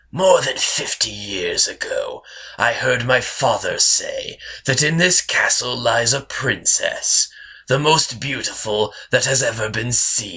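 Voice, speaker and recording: A man adopts a put-on character voice and takes a fairly slow pace. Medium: read story. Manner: deferential.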